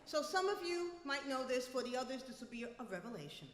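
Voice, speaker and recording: A woman from New City, telling a comic personal story live, wry and animated. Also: high-pitched, quick pace. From New York City. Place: live venue, reverberant room. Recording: echoey hall reverb.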